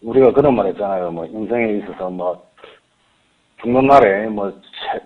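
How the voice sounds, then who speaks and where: Rambling middle-aged man on a lo-fi call. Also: fairly low pitch. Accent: Korean regional dialect. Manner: rambling, halting, repeats "to put it simply". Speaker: caller. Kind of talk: phone-in advice call.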